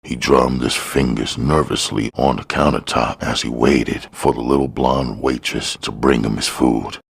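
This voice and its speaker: A man's voice: rumbling low, steady tone, measured pace, gravelly, slightly rough. A man reading a crime novel aloud as an audiobook narrator.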